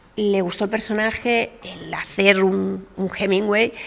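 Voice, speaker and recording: The woman's voice is medium in pitch, with fairly even intonation. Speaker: film director and screenwriter. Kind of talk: public conversation, interview. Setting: university lecture hall with audience. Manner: halting, many restarts.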